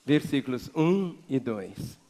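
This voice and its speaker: A man with a Brazilian Portuguese accent preaching a sermon as pastor, emphatic, swinging between loud exhortation and quiet low asides. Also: sing-song, takes it slowly. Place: large church hall. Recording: long reverb of a church hall.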